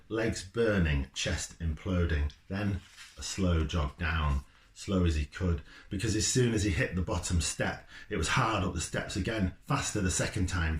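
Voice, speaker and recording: Man, very low pitch, children's author, informal talk and storybook reading, echoey room sound. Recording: roomy, echoey indoor sound.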